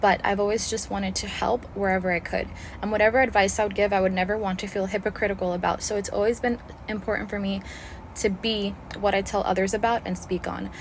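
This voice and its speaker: Over noticeable background noise, a woman talks at a very fast pace in a medium pitch with monotone, flat intonation. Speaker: social media creator. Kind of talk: personal monologue; reading aloud. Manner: heartfelt.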